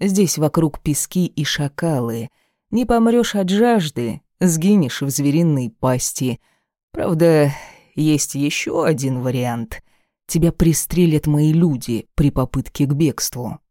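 A reader voicing a domineering, cruel male caliph who speaks slowly and menacingly in an audiobook. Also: fairly high pitch, warm tone, no room sound, clean studio sound. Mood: mocking. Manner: menacing, slow and commanding. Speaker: desert ruler holding the heroine captive.

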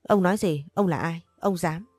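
A woman's voice: on the low side, moderate pace, a little mellow, dry recording, faint music behind, lightly acted. A woman voicing a desperate, defiant young mother in a storybook, speaking indignantly and pleadingly.

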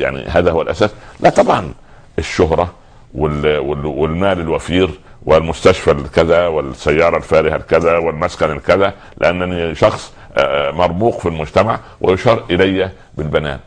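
A man's voice: extremely low pitch, quick pace. A man preaching a sermon, pressing listeners with rhetorical questions that build in emphasis. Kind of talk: religious sermon.

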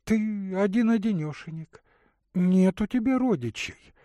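A gentle young woman tends to a sick man in a soft, singsong lilt, as a man reads her part in a high, lively voice. The delivery is unhurried, and the recording is close and dry. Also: no room sound. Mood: tender.

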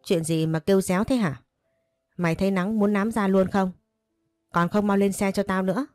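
A woman's voice: mid-range voice, steady tone, moderate pace, a little mellow, no echo, clean studio sound, close to an everyday voice. A woman narrator voicing a haughty, scornful rich older woman who talks down to a poor girl, with faint music behind. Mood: impatient. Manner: scornful and impatient.

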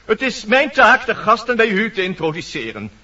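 An actor playing a fussy, officious woodpecker master of ceremonies in a Dutch radio play, formal, pompous and easily exasperated. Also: male voice, high voice, sing-song, moderate pace, pushed and bright, distant mic, lo-fi sound, full character voice.

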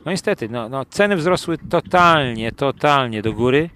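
A man's voice: mid-range voice, animated, moderate pace, sharp tone, a little hiss or hum. A man telling long, crude, colloquial stories in a casual podcast chat, with joking asides. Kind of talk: casual anecdotal storytelling.

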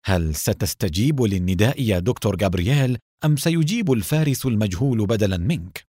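A man voicing a calm, quiet male police captain in a storybook reading. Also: on the low side, dry recording, clean studio sound. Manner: quiet and measured.

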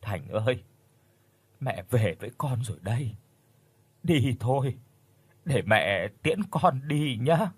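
A man voicing a grieving mother who murmurs softly and tenderly to her dead son in a spoken ghost story. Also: mid-range voice, animated, takes it slowly, long pauses, husky. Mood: tender, sorrowful. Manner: soft murmuring.

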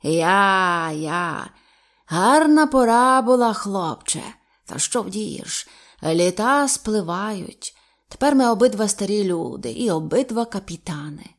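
A blunt, jovial old sea captain, stout and weathered, played by a woman reading an audiobook. He drawls his words slowly, in a hearty, plain-spoken way, with the gruff ease of a man long at sea. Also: mid-range voice, expressive.

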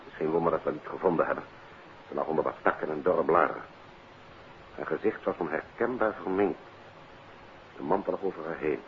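A man's voice: very deep voice, a little fast, long pauses. A formal police official talks. He is sober and official, in 1950s radio drama style. It sounds like a narrow, noisy old broadcast. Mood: grave. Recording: band-limited, noisy 1950s radio recording.

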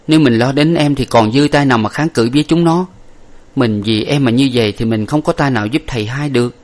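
A man's voice: mid-range voice, a little fast, voice pushed up, close to an everyday voice. A man voicing a wounded young wife, weak and pleading. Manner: soft, pleading, tearful. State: weak and breathless. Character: gentle young wife, wounded, self-sacrificing.

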